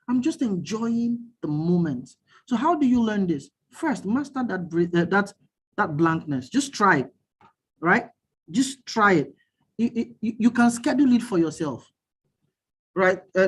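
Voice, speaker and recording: A guest professor giving calm, measured advice in a talk, often repeating words as he or she starts a thought. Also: medium pitch, husky. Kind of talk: teaching talk.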